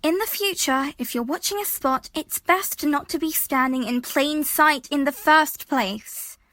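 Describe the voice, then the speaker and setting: A woman's voice: high voice, a little slow, pushed and bright, no room sound. A woman playing a defensive, sardonic young time-travelling adventurer in an audio drama. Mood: dry, practical.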